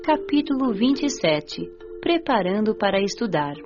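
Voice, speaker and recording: A woman's voice: medium pitch, a little slow. A woman playing an eager, curious young female spirit, narrating her afterlife in an earnest audiobook drama. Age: young adult. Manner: expressive, earnest storytelling. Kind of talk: scripted first-person audiobook narration. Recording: dull lo-fi audio over music.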